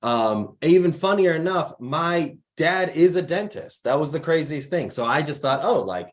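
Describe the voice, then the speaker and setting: This workshop host is a young man from the Chicago area whose slightly high voice carries a light rasp from allergies. At a moderate pace, the program founder chats in a relaxed way on a video call, reading out participants' names and places for his mentor workshop.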